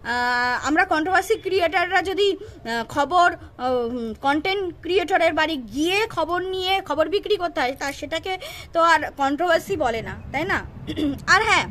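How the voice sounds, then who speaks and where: A woman's voice: very high voice, animated, a little fast, fairly bright tone, a little hiss or hum. A woman giving unscripted roast commentary, confrontational and scolding, repeating herself and firing rhetorical questions. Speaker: YouTube commentary creator.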